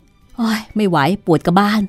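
A woman's voice: mid-range voice, a little fast, darkish tone, no echo, soft background music, natural voice. A woman reading an audiobook, voicing a harried, defensive young man in a horror story. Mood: flustered. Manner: flustered, exasperated pleading.

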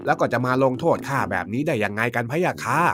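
Wheedling royal minister for a storybook, done by a male storyteller, raised and slow. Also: mid-range voice, expressive, natural voice. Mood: mocking. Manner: slow, fawning, pleading. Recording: music bed behind.

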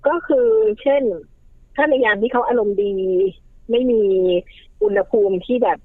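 A woman with a fairly high voice talks through family troubles in a lively, animated way. She gives advice in casual talk. The sound is thin and phone-like, with no room echo. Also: moderate pace, vocal fry. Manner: animated, acts out quoted lines. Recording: tinny phone-like line, dry.

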